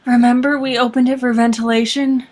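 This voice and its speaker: A woman's voice: a little high, little pitch movement, a little fast, a little mellow, lightly acted. A woman voicing a protective young father in a horror story, earnest, shaken but tender. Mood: apologetic, shaken.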